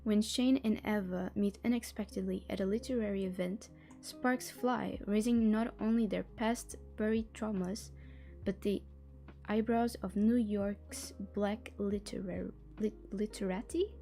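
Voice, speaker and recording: A non-native English-speaking woman hosts a casual livestream, chatting, giggling often, and tripping over words as she reads a book blurb aloud. Her mid-range voice is warm, unhurried, and fairly even in intonation, with soft music in the background.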